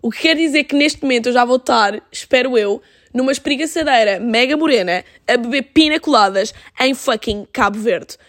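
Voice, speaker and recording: A young woman with a European Portuguese accent hosting a casual solo podcast, animated and dropping in English phrases. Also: fairly high pitch, fairly quick, no echo, studio quality. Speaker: podcast host.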